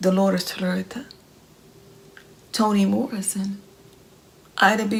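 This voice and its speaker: There is noticeable background noise behind a woman's voice. She talks at a very slow pace with a medium pitch. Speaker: spoken word poet. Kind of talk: spoken word poetry performance.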